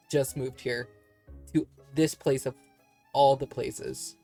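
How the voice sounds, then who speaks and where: A woman's voice: very deep voice, steady tone, slow pace, creaky, dark tone. A woman streamer chatting casually while playing a game, rambling and laughing often. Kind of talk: casual chat while gaming. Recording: faint music behind.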